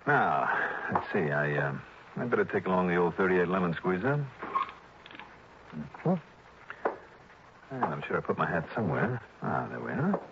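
A man's voice: low voice, sing-song, normal speed, gravelly, pauses often, background noise, heavily acted. An actor playing a cool, wisecracking investigator who narrates his own story in a 1960s radio detective drama. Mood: wry. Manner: dry wisecracks, first-person narration. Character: wisecracking tough insurance investigator, cool-headed. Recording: dull lo-fi old radio broadcast.

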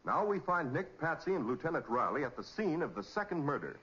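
Male American announcer, 1940s radio narration: emphatic, very lively delivery, dull vintage recording. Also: on the high side, fairly quick, breathy edge. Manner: polished, emphatic, dramatic.

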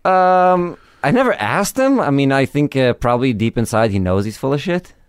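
A man with a Brooklyn Hasidic, Yiddish-tinged accent, talking as a guest in a relaxed, hesitant way with many restarts. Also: mid-range voice, normal speed, clear, resonant tone, no echo, clean studio sound. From Brooklyn, New York. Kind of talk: casual conversation.

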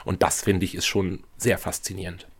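A man from northern Germany who makes radio dramas, talking as a guest in a relaxed and thoughtful way with many fillers. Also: sits low, normal speed, slightly rough. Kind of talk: casual interview talk.

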